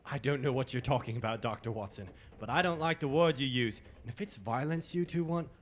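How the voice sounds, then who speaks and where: A man's voice: medium pitch, brisk, a little hiss or hum, close to an everyday voice. A man playing a plain-spoken, proud young bridegroom in a radio mystery play. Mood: defiant. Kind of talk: radio mystery theatre acting.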